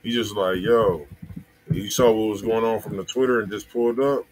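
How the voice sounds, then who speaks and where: A man's voice: fairly low pitch, steady tone, normal speed, a little mellow. A man in his thirties with an American accent, hosting a livestream in casual, slangy chat, speaking straight to his viewers. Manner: slangy, conversational, addressing viewers directly. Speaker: music review livestream host. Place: indoors, small room. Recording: noisy livestream room sound.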